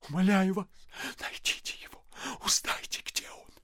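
A man's voice: fairly high pitch, big pitch swings, slow, a little mellow, no room sound, studio quality, heavily acted. A man putting on a fluttery fortune-teller woman. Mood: pleading whisper. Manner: breathy half-whispers, pleading. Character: nervous older female fortune-teller, fluttery.

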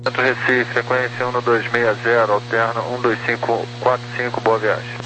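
A man's voice: medium pitch, level tone, moderate pace. Brazilian man on humming aviation radio. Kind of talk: terse radio phraseology. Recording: humming, faintly noisy radio.

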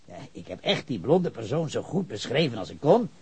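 A man's voice: mid-range voice, big pitch swings, normal speed, a little mellow, slightly rough, no echo, heavily acted. An actor playing an evasive, argumentative, pedantic male witness with leftist ideals in a radio drama.

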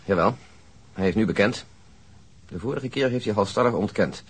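Deep-voiced police investigator. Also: male voice, slightly rough. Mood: matter-of-fact. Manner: factual, measured reporting. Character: matter-of-fact male police investigator. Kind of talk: radio drama acting. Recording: noisy old radio drama recording.

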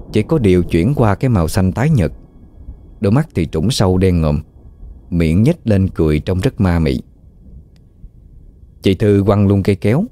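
Man, Southern Vietnamese accent, ghost story narrator, measured, dry close mic, faint music. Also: low-pitched, dark tone, dry recording.

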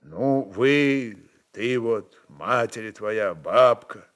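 A man's voice: lowish voice, lively intonation, drawn-out words, a bit bright, heavily acted. A man voicing a brooding, blunt Cossack chieftain, a father, who muses in plain folksy dialect. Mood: brooding, tender.

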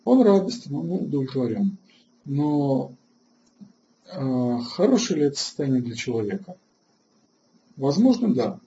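A man hosting an online webinar lecture, halting with filler sounds and restarts, and answering chat questions between points. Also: mid-range voice, big pitch swings, warm tone, highs cut off, slight background noise. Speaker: webinar host.

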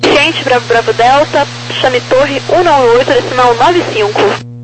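A woman with a Brazilian accent working as an air traffic controller, giving clipped, procedural clearances and phonetic-alphabet codes over crackly radio. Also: high-pitched, unhurried. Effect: crackly aviation radio. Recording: noisy crackly aviation radio transmission.

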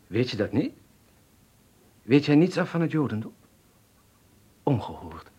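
An actor playing an earnest young Polish-Jewish revolutionary in a Dutch radio play, lecturing with hesitant pauses. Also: male voice, mid-range voice, big pitch swings, dark tone, slightly rough, full character voice. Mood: insistent, scolding. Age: young adult.

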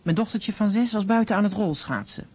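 A woman's voice: mid-range voice, animated, a little fast, darkish tone, breathy edge. A woman playing a mother and shopkeeper giving testimony in a radio documentary drama. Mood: recounting. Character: mother and shopkeeper recounting a robbery. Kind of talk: dramatized Dutch voice-over of testimony. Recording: dull, muffled radio recording.

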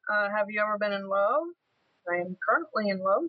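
A woman co-hosting a casual chat at home, playfully asking quick personal questions. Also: mid-range voice. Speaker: podcast co-host. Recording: muffled lo-fi home recording, faint hiss.

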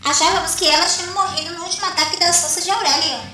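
A woman playing an excitable, loyal little-sister soldier in an audio drama, emotional and animated. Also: very high-pitched, racing, far from the mic. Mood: alarmed. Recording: echoey, off mic, faint noise.

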